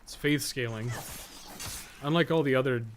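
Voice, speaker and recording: A man's voice: mid-range voice, moderate pace. Rambling man doing gameplay commentary, noisy recording. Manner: rambling, thinking aloud, casually profane. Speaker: podcast co-host and gaming streamer. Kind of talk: casual live gameplay commentary.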